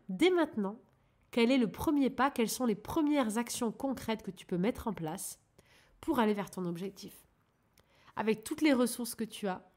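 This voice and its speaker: Speaking gently and with encouragement, a woman acting as a life coach addresses the listeners of her own channel in a relaxed coaching monologue. Her voice is on the higher side.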